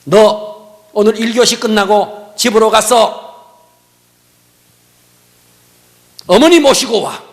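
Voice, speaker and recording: A man's voice: fairly high pitch, huge pitch swings, normal speed. A man voicing a harsh old-fashioned male schoolteacher berating a pupil. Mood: scolding. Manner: scolding, berating.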